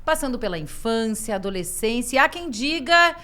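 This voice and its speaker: A woman's voice: on the high side, sing-song, normal speed, sharp tone. A woman from southern Brazil with a gaúcho accent, co-hosting a podcast in a chatty, playful way, often adding tag questions. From Rio Grande do Sul, southern Brazil. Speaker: podcast co-host. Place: glass-walled studio with a live audience.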